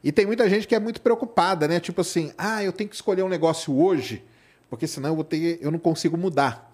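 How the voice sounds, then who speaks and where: A Brazilian man with a fairly high voice hosts a live podcast. He speaks casually and with plenty of slang. He often ends phrases with short questions seeking agreement. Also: fast talker, a little mellow. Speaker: podcast host. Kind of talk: casual live-show chat.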